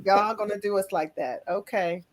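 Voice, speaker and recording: A woman's voice: mid-range voice, normal speed. A woman hosting a casual interview in an enthusiastic, affirming manner. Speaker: podcast host.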